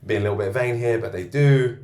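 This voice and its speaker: A man coaching men on self-improvement, rating himself out loud in a boastful, self-assured monologue from a co-working space. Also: medium pitch, fairly quick. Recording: roomy echo.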